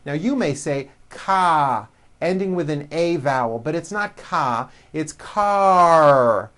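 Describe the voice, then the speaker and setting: A pronunciation teacher narrating a language lesson, giving instructions and enunciating example words with deliberate emphasis for the learner to repeat. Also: mid-range voice, animated. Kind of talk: language lesson narration with slow, repeat-after-me word drills.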